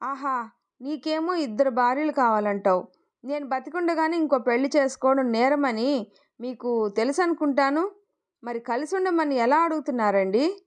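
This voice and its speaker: Spirited young wife read by a woman, sharp-tongued, emotional, storybook. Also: a little high, a little slow, lightly acted. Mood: angry. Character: young village bride, spirited then wronged wife.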